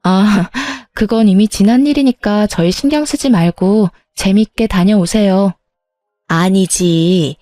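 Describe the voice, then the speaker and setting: A woman's voice: mid-range voice, animated, measured pace, hardly any pauses, mellow, no echo, faint music behind. Woman telling an indignant story. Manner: indignant, plain-spoken. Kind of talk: first-person story narration with dialogue.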